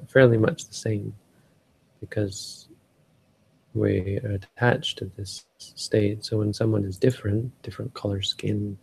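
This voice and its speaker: A man's voice: fairly low pitch, vocal fry, mellow, husky, low-quality recording. A Canadian man giving a rambling casual talk on a live stream, often restarting and searching for words. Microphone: live stream setup.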